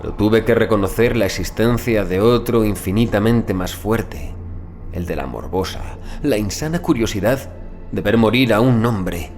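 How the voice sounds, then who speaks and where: Low-voiced man narrating a horror audiobook. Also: moderate pace, darkish tone, soft background music. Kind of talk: scripted horror story narration, first person.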